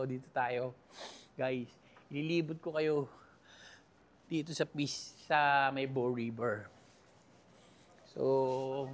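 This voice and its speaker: A man's voice: mid-range voice, fairly bright tone. A man from the Philippines hosting a casual travel vlog, joking and laughing as he talks straight to his viewers while walking outdoors along a river. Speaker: travel vlogger.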